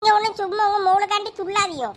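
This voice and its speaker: A woman playing a sharp-tongued village mother who nags and scolds. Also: very high voice, steady tone, rapid-fire, a little hiss or hum. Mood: scolding. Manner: scolding, nagging. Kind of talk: comedy skit acting.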